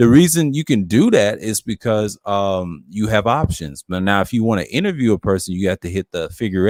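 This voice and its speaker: Lively intonation from a man at fairly low pitch and fairly quick pace, dry and close with no echo, on a very clean recording with a silent background. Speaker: live stream host. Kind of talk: casual chat.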